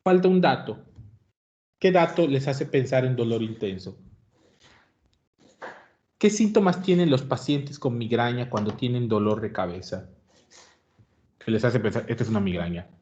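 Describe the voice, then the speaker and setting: A man's voice: mid-range voice, lively intonation, moderate pace, long pauses, darkish tone, muffled recording. A man giving an interactive medical lecture, quizzing his students and often calling them young people. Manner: questions students, addresses them as "jóvenes".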